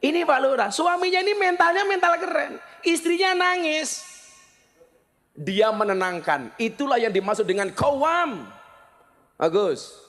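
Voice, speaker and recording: A middle-aged man with a Javanese accent, preaching in a lively, joking village sermon style. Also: very high voice, unhurried. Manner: joking, mixes in Javanese phrases.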